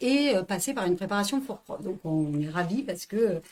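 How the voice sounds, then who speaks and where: This woman's voice has a dark, mellow tone, medium pitch and lively intonation. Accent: southern French. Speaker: director of a teacher exam prep company. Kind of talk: online information session. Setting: live stream. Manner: hesitant, many fillers.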